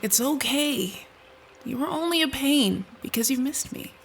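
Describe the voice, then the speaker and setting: An actress playing a calm, compassionate politician and devoted mother in an audio drama, speaking in a measured, persuasive way. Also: sits high, slight background noise, heavily acted. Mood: motherly, affectionate. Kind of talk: audio fiction drama acting.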